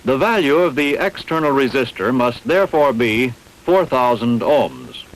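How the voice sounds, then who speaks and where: A man reading scripted instructional narration in a measured, didactic, carefully enunciated way. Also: mid-range voice, expressive, rough recording. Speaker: training film narrator.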